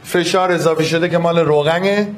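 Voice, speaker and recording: Male physics teacher, fairly high voice, online class, coaxing and repeats every step. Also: fairly even intonation. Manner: coaxing, affectionate, repeats key steps.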